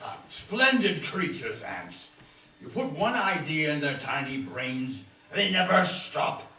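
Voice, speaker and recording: A man performs a put-on character voice, rumbling yet fairly high in pitch, with very wide pitch swings. He goes at a fairly slow pace, and there is a slight echo. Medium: audio drama. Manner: grumbling, testy.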